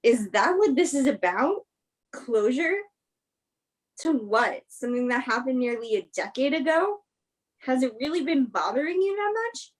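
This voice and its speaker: A woman's voice: sits high, big pitch swings, moderate pace, low-quality recording. A woman acting a bitter, guarded young woman, confrontational and sarcastic, in a staged play reading. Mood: scornful, bitter.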